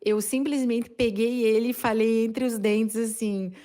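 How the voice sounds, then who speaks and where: A middle-aged woman from Brazil, a podcast listener telling a funny story about living abroad, acting out her own shouting. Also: on the high side, steady tone, normal speed.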